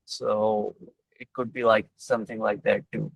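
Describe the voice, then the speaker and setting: A man's voice: on the low side, level tone, a little slow, gravelly, slightly rough, no echo, poor audio. A man with a South Asian accent hosting an informal online discussion, tentative and often saying "like". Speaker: host of online community session. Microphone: online voice call.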